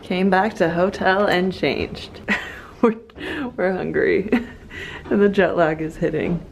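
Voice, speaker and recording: A woman's voice: fairly low pitch, slow, creaky, background noise. A young woman in her twenties chatting casually and playfully in a travel vlog, laughing often. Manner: giggly, playful. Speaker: vlogger. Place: hotel room and restaurant. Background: loud music.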